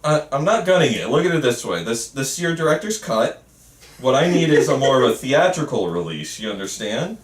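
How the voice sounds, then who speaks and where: A man's voice: mid-range voice, sing-song, a little fast, voice pushed up, natural voice. Man reading as a placating teacher, echoey recording. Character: placating male teacher urging changes to student film. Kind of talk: amateur screenplay table read. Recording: roomy, noisy, distant mic.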